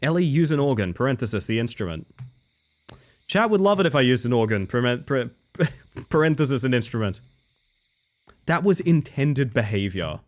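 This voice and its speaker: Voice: mid-range voice, sing-song, moderate pace, pauses often. A streamer giving casual, joking live gameplay commentary, swearing and repeating phrases. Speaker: video game streamer.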